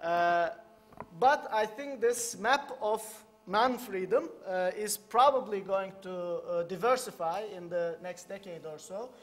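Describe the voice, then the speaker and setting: A man with as his gives a measured, halting conference lecture in a hall, with frequent fillers. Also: sits high. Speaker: academic lecturer.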